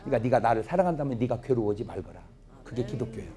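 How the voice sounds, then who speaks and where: A man's voice: medium pitch, very fast, crowd noise. A middle-aged man, a pastor, preaching a revival sermon full of humorous family stories that he acts out in dialogue. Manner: lively storytelling, acting out family dialogue. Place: church revival meeting, audience laughing.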